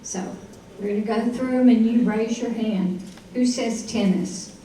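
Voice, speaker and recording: A woman's voice: fairly high pitch, unhurried, dark tone. A woman introducing a guest speaker and giving announcements to an audience, upbeat and chatty, speaking straight to the room. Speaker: event organizer introducing the speaker. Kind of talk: welcoming announcements. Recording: echoey room, distant mic, faint noise.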